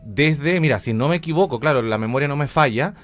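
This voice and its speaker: A man's voice: a little high, animated, a little fast. A man with a Chilean accent speaking as a radio interview guest, explaining things in an informal, enthusiastic way. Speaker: interview guest, radio drama director and academic.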